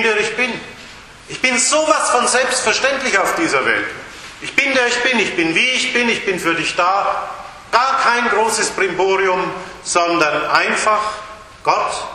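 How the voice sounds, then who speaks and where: A male pastor preaching a lively sermon at a baptism service in a church, shifting his emphasis and acting out voices in quotes. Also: on the high side. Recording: very echoey church hall, faint hiss.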